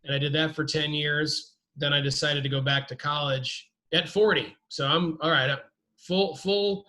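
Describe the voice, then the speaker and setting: A man in his forties chats over a webcam call in a loose, joking way, cursing casually. His voice sits a little high with a bright, forward tone. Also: fairly even intonation, moderate pace. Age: 40s. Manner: loose, joking, swears freely. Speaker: guest. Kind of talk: casual chat on a video call. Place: dim room indoors. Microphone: video call webcam.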